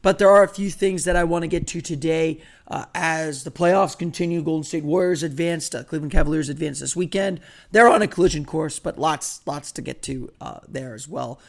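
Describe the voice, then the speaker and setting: A man with a hoarse voice hosting a sports podcast in a rambling, conversational way, with many fillers and restarts. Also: a little high, a little fast. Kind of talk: casual sports podcast talk.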